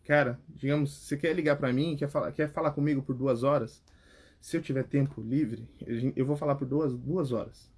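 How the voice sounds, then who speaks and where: A young adult man with a Brazilian Portuguese accent, giving advice on public speaking as a coach in a direct, animated chat. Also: medium pitch, normal speed, breathy edge. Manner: animated, direct, repeats words and restarts. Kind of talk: casual advice talk.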